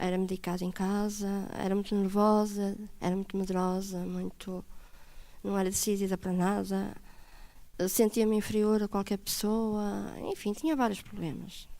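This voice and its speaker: Her medium-pitched voice has a dark, mellow tone and a monotone, flat intonation. The woman speaks at a moderate pace on a very clean recording with a silent background. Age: 60s. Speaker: church member giving testimony. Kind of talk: testimony.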